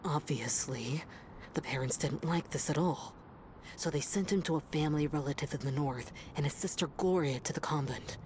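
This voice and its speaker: A woman voicing a gossiping character in a video game, passing on dark secrets in a conspiratorial way that often drops to a whisper. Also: sits low, normal speed, slight background noise, natural voice. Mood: hushed.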